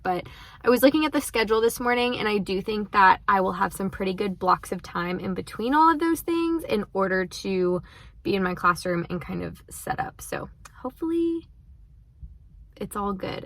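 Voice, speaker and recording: A woman's voice: medium pitch, bright, forceful tone. A young woman, vlogging casually as a first-year teacher from her car and her classroom, chatty and rambling with many fillers. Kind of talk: casual vlog chat.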